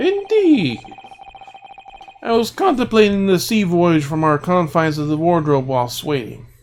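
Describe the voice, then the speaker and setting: A nasal, put-on character voice at middle pitch moves at a moderate pace with long, frequent pauses. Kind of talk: formal and old-fashioned.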